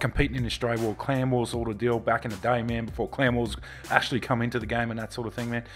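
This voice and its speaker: Music plays in the background as a man with an Australian accent talks. His pace is very fast and his pitch is medium. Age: 30s. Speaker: gaming commentator. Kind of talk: casual commentary. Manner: animated.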